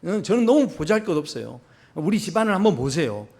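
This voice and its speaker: A man's voice: high voice, sing-song, brisk, creaky, darkish tone, heavily acted. A male pastor voicing the biblical Gideon, a timid, self-doubting young man who pleads that he is too small and weak. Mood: pleading.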